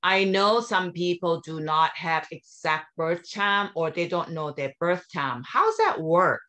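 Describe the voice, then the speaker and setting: Female interview host from Thailand, slightly low voice, casual, effusive and emphatic, on a video call. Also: expressive, measured pace, pushed and bright. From born in Thailand.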